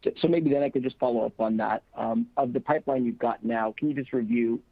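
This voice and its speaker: Fast gravelly man on a phone line. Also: medium pitch, no room sound. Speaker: financial analyst asking questions. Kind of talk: earnings call question. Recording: dry, tinny phone line.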